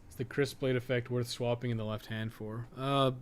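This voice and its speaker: Male game streamer, average pitch, talking viewers through gameplay casually with some swearing; noisy recording. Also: fairly even intonation, moderate pace. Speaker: game streamer and guide host. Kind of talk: casual live gameplay commentary.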